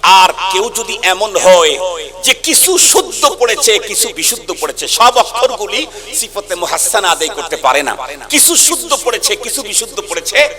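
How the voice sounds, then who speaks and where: High-voiced chanting Bangladeshi preacher. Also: male voice, big pitch swings, moderate pace. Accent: Bangladeshi Bengali. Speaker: Islamic preacher. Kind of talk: waz sermon to a gathering. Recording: live sermon with crowd noise.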